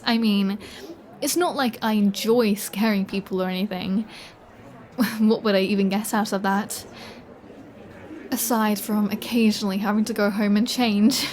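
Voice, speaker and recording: A woman's voice: medium pitch, lightly acted. A woman playing a flirty, playful vampire who teases in a chatty, self-assured way, as in an intimate roleplay audio. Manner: teasing, chatty, unhurried.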